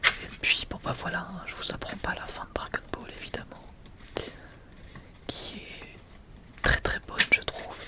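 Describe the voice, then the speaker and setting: A man's voice: unhurried, long pauses. A young adult man whispers in a casual, enthusiastic ASMR style, sometimes hesitating as he presents. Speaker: ASMR video creator presenting a manga collection.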